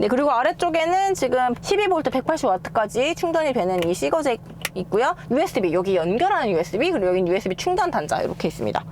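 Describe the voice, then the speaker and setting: Speech at a very fast pace runs over noticeable background noise. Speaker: car reviewer. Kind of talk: tutorial.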